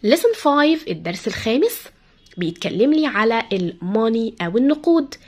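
Egyptian woman, English teacher for small kids; breathy, a touch high; drills words slowly, syllable by syllable. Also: sing-song. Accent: Egyptian Arabic. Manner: repeats each word slowly, syllable by syllable. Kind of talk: vocabulary lesson for young children.

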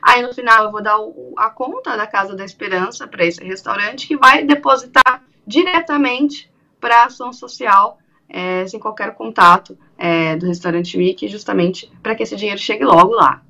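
A woman's voice: mid-range voice, moderate pace, gravelly. A woman in her thirties, an event organizer, speaking animatedly on a video call during an interview. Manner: animated, acts out quoted dialogue. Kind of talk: remote interview on radio-TV news show. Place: small room indoors. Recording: dull lo-fi video call audio.

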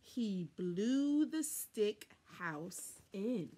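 A woman in her thirties reading a children's story aloud dramatically, with pauses and emphasis. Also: mid-range voice, expressive, mellow, husky. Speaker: storybook reader. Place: small furnished room at home, indoors.

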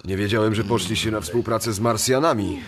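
A man's voice: fairly low pitch, a little fast, breathy edge. An actor playing an anxious, bewildered man in a radio drama, hesitant and pleading.

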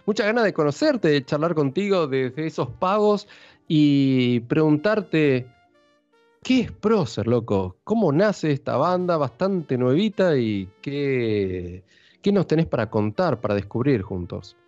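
A man's voice: on the high side, sing-song, darkish tone, no room sound. Argentine man hosting with a radio-announcer lilt. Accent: Argentine Spanish. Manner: radio-announcer delivery, drawn-out words. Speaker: radio show host. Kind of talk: hosting a live music interview. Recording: dull lo-fi audio with faint music.

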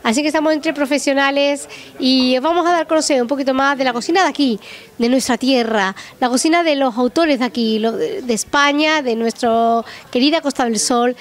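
Woman, middle-aged, high voice, chatty rambling interviewer, handheld mic. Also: a little fast. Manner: rambling, chatty, tag questions. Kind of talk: presenting and interviewing. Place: small restaurant dining room, indoors.

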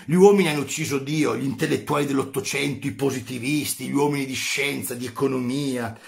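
A man's voice: mid-range voice, a little fast, gravelly. A man teaching philosophy in a video lesson, emphatic and repeating phrases for stress.

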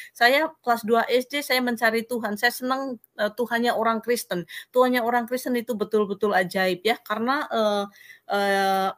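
A woman giving a personal faith testimony in an interview, telling her story in an earnest, halting way over a video call. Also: on the high side, fairly bright tone.

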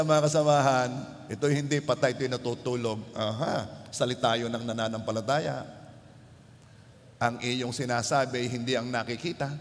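A man preaching a sermon as pastor, building to emphatic, rising passages and slipping English phrases into his talk. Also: mid-range voice. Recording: long church hall reverb.

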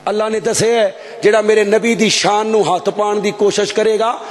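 A man in his thirties with a Punjabi accent, preaching an impassioned sermon into a close mic, often shouting and calling on the crowd to answer. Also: sits high, steady tone, normal speed. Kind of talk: fiery sermon. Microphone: stand mic close up.

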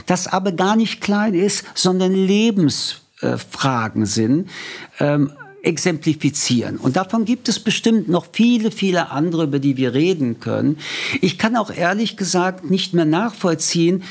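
Husky, lively older man in conversation. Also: sits high, normal speed. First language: French. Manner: emphatic, expressive, gestures a lot. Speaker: interviewer. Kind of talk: reflective conversation. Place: small studio at a table. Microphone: studio mic on an arm.

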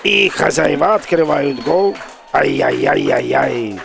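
The speaker is a male sports commentator, medium-pitched, with a creaky, gravelly texture. As he follows the football live, he gets excited and exclamatory, holding his shouts long.

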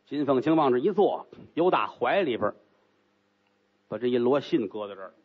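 A man telling a traditional comic story in a lively, animated way. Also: medium pitch, moderate pace, slightly rough, narrow, tinny audio.

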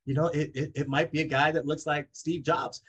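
A man's voice: fairly high pitch, a little fast, breathy edge. A man in his forties, a money coach, speaking emphatically on a video call from a home office. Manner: energetic, emphatic, talks with his hands. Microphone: video call webcam.

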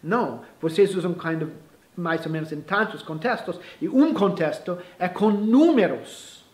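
A man with a high, light voice teaches English phrases at an easy pace. He often restarts his sentences and slips English words into his explanations. The room around him rings with echo. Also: animated, measured pace, a little mellow. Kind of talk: casual bilingual lesson.

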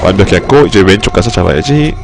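A young man commenting on his game play for viewers, joking, swearing and breaking into sudden shouts. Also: deep voice, fast talker, creaky, music in the background. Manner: excitable, swearing, jokey outbursts and shouts. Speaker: game streamer.

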